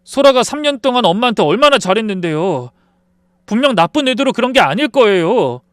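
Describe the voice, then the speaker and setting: A man's voice: high voice, big pitch swings, brisk, a bit bright, dry recording, studio quality, voice pushed up. A man voicing a defensive adult son who pleads with his mother and protests in whiny tones, in a dramatized story reading. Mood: pleading.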